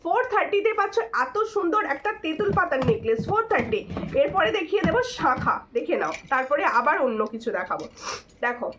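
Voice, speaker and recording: A woman with a hoarse voice hosting a live jewelry sale, chatty and repetitive, thanking viewers and urging them to take screenshots. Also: high voice, big pitch swings, quick pace, background noise. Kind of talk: live-stream sales pitch.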